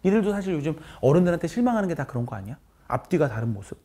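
A middle-aged man, a math teacher, giving his students an earnest farewell talk. He lectures with feeling, repeats key words, and drops into soft asides. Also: on the high side, big pitch swings, rapid-fire, slightly rough.

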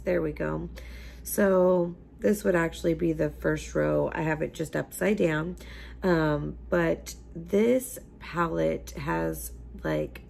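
A woman's voice: lowish voice, vocal fry, darkish tone. A young woman beauty vlogger chatting casually to camera from her couch, her voice scratchy as she is losing it, talking in a rambling, emphatic way. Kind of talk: casual makeup chat to camera. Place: living room couch indoors.

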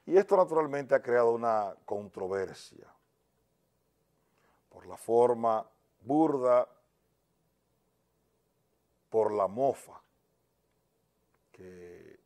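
A man's voice: on the low side, animated, takes it slowly, pauses often, a little mellow. A man with a Dominican accent giving opinion news commentary in an emphatic, indignant way. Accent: Dominican Spanish. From Dominican Republic.

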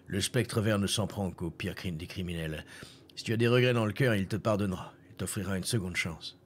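A man reading the part of an old hermit living alone in the desert, in a gentle, measured manner. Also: deep voice, a little hiss or hum, natural voice. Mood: calm.

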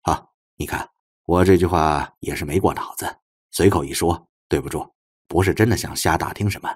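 A man voicing a gentle, tactful professor with a soft, courteous way of talking in an audiobook. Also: deep voice, moderate pace, slightly rough, voice pushed down. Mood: polite, apologetic. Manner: soft, courteous, probing questions. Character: gentle, polite, tactful male university professor.

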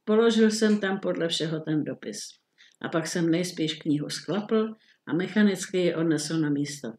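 A woman's voice: lowish voice, a little mellow, echoey room, close to an everyday voice. A woman reading the part of a flustered middle-aged male government minister, muttering and bewildered. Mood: puzzled.

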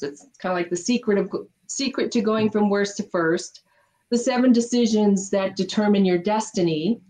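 A woman's voice: medium pitch, darkish tone. A middle-aged woman, a guest on a podcast, telling her story in an upbeat, earnest way over a video call from her home office. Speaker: guest, former ski racer. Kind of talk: interview conversation. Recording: dull video-call audio.

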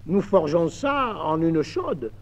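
A man voicing a humble young apprentice blacksmith who speaks quietly and gently, on an old mono record. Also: fairly high pitch, very animated, takes it slowly. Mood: calm. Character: calm, humble young apprentice smith, a boy. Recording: dull 1950s mono record.

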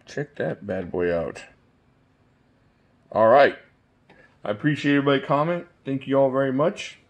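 A man's voice: medium pitch, animated, normal speed. Casual, folksy man hosting a giveaway. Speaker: video channel host. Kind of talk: casual giveaway vlog talk. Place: indoors at a computer, voice behind camera.

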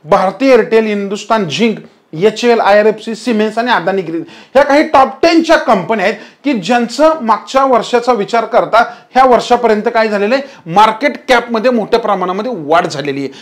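A man's voice: high voice, lively intonation, a little fast. An emphatic male market teacher in his thirties explains trends in front of a screen, and he keeps urging viewers to remember the key points. His voice is close on a lapel mic in a studio. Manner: emphatic, repeats "remember", gestures while explaining. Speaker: stock market educator.

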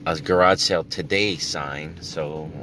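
A man's voice: rumbling low, unhurried. A man vlogging casually, joking and narrating as he browses sales outdoors and drives, filming on a phone. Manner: chatty, joking, self-narrating. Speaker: reseller vlogger. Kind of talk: casual chat. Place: outdoors at a flea market and in a car. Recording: noisy outdoor phone recording.

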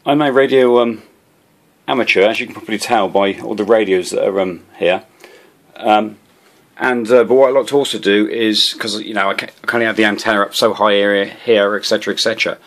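A man's voice: lowish voice, steady tone, fairly quick, fairly bright tone. A man hosting a casual, off-the-cuff gadget demonstration, rambling and hesitant, often repeating his words, recorded on a handheld camera at a desk indoors. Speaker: video host, amateur radio hobbyist. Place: small indoor room at a desk. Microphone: handheld camera or phone.

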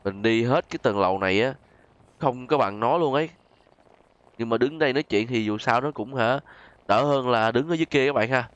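A man's voice: mid-range voice, fairly quick, no room sound, lo-fi sound. Southern Vietnamese man doing game commentary. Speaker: gaming video host. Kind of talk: casual gameplay commentary addressed to viewers.

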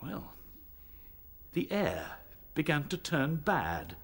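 A man playing a battle-worn rabbit captain in a radio drama, halting as he recounts horrors. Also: fairly high pitch, wildly swooping pitch, creaky, a bit bright, husky, full character voice. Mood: troubled. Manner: halting, searching for words.

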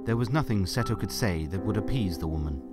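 A man's voice: lowish voice, animated, fast, over loud music. A man narrating a scripted story for an audio drama.

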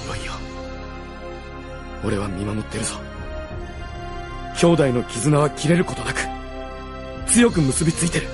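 An actor playing a gruff, proud undead warrior and brooding older brother in a Japanese radio drama. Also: male voice, medium pitch, animated, a little slow, long pauses, over loud music, close to an everyday voice. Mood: anguished brooding. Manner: brooding, rough-spoken, heartfelt.

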